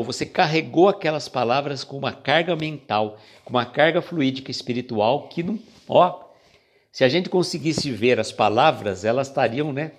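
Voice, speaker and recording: A man with a Brazilian accent reflects on a spiritual text in a relaxed, conversational manner. His voice is mid-pitched. He slows down for the quoted passages, then riffs loosely with fillers. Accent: Brazilian Portuguese. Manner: reads passages slowly, then explains casually with fillers and jokes. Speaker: spiritist book commentator. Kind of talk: casual reflective reading and commentary.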